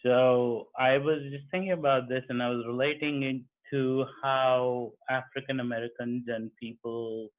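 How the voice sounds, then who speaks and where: A man's voice: medium pitch, little pitch movement, moderate pace, hardly any pauses. A man from Pakistan, recounting a personal story to a group in a conversational way. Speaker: participant. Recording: tinny call audio.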